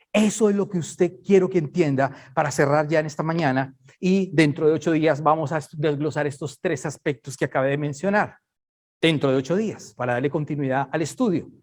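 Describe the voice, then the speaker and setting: A man preaching a Bible study, emphatic and conversational, often checking that listeners understand. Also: a little high.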